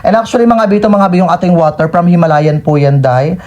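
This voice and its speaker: A man's voice: sits high, expressive, fast talker, darkish tone. A young man from the Philippines doing a sassy, campy, comedic voice-over for his mukbang vlog. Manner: campy, sassy and teasing, with constant playful asides. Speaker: vlogger.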